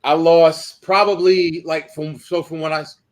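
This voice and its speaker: A man's voice: on the high side, level tone, measured pace. A man in his late forties speaking casually and emphatically about wrestling. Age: 40s. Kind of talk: casual conversation.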